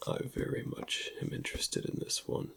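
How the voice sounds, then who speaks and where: A man playing a shady alien dealer in black market antiquities, in a hushed, whispery ASMR roleplay with a gravelly voice and a musing manner. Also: a little hiss or hum, lightly acted. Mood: curious, appraising. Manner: hushed, unhurried, musing over goods. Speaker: ASMR performer.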